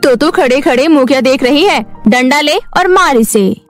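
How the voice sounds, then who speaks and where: A woman's voice: high-pitched, animated, moderate pace, faint music behind. A woman voicing a meddling, spiteful female friend in a cartoon story, goading and disdainful. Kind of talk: animated moral story dialogue.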